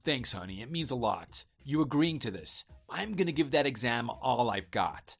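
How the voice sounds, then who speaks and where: Man acting a smooth-talking, animated husband. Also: mid-range voice, normal speed, soft background music. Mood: upbeat, persuasive. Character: evasive, smooth-talking husband coaxing his wife. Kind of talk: scripted dialogue for an online story drama.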